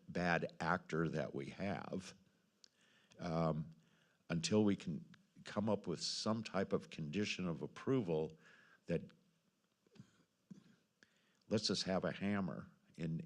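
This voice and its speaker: A man speaking as mayor at a council meeting, halting and repeating words as he works through his point. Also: low voice. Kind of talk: formal meeting discussion.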